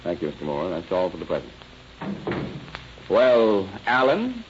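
Brief: a firm interrogating cop, old muffled radio sound with faint noise. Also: male voice, sits low, huge pitch swings, heavily acted. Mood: commanding. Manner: firm, commanding, measured. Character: firm male police captain, stern and patient. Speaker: police detective. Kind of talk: 1930s radio drama acting.

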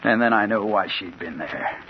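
An actor playing a hard-boiled crime reporter narrating in 1940s radio style. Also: male voice, fairly low pitch, normal speed, slight background noise, natural voice. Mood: brooding. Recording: dull old radio broadcast.

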